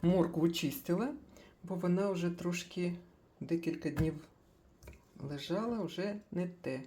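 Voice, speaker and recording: An older woman chatting casually as she makes a breakfast smoothie in her kitchen, thinking aloud with small laughs. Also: fairly low pitch, a little slow, warm tone. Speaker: cooking vlogger.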